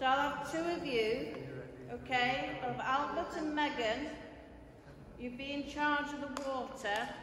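Amid noticeable background noise and audible room echo, a woman speaks at a high pitch with fairly even intonation. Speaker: church minister. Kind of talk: instructions to children during a service. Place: church. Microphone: camera far.

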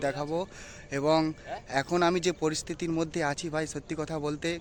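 A man speaks at a fairly high pitch. His intonation stays monotone and flat. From West Bengal, Purba Medinipur. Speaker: vlogger and photographer. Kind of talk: casual vlog to camera.

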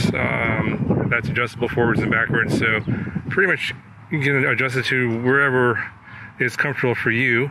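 A man is heard in a dry sound with no echo. There is noticeable background noise. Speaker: product reviewer. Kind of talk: product review commentary. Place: street. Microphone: phone near.

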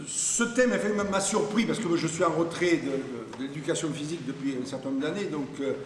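At a moderate pace, the voice moves with lively intonation, with audible room echo and light background noise. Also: man. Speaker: speaker. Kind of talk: lecture. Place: classroom. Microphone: podium.

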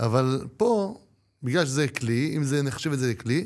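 The background stays quiet. A man speaks fairly slowly. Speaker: guest. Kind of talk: interview answer. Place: studio. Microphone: lapel.

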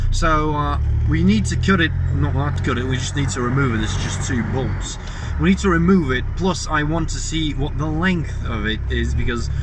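Over noticeable background noise, a man talks at a moderate pace with very wide pitch swings in a dry sound with no echo. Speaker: car vlogger. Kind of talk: casual vlog chat. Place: car. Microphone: phone near.

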